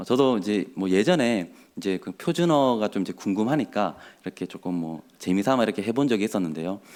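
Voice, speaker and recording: A man with a Daegu accent, fairly low in pitch, fairly quick, with lively intonation. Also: very clean recording, silent background. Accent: Daegu (Gyeongsang). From Daegu, South Korea. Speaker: pastor. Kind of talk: sermon. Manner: frequent filler 'eo' pauses.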